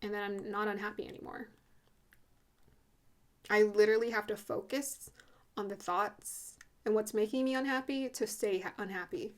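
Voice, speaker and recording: A woman giving a casual spiritual card reading, talking earnestly and chattily with fillers and soft laughs. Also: mid-range voice, steady tone, moderate pace. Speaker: spiritual reader doing a tarot card reading.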